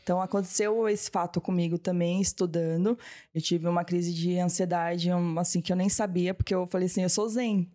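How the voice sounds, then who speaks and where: Soft-toned woman telling her story. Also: on the low side, flat delivery, a little fast. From Brazil. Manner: storytelling, often acting out what she and others said. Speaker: guest, massage therapist. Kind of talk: casual interview.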